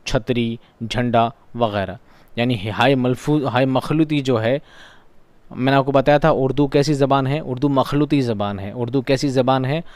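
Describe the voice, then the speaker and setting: A man's voice: medium pitch, darkish tone, clean tone, dry recording. A man teaching a grammar lesson who asks questions and answers them himself, repeating key terms. He speaks with a flavour. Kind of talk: classroom-style grammar lesson.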